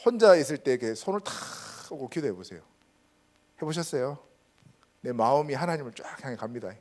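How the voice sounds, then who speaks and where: Man, pastor, church sermon, emphatic, swooping pitch, rhetorical questions. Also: animated, fairly quick, darkish tone. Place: church sanctuary.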